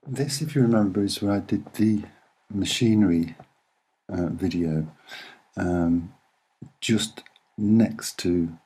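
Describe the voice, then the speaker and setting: A soft-spoken man with a slightly husky voice, presenting and explaining images in an unhurried, earnest way with hesitant pauses. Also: low-pitched. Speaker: online video presenter.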